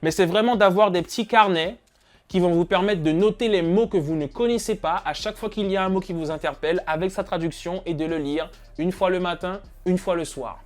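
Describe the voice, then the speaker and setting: A young man from France talks straight to his audience in a relaxed advice vlog. His voice sits fairly high, and he leans on fillers and little restarts as he goes. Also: a little fast. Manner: chatty, addresses viewers directly with many fillers. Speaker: motivational YouTuber.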